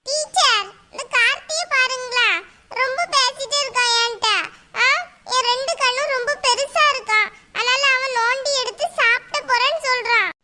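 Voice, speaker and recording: A woman's voice: very high-pitched, moderate pace, very noisy. A woman voicing a cheeky, bratty little schoolgirl in a cartoon, with a whiny, tattling manner. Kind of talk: cartoon voice acting.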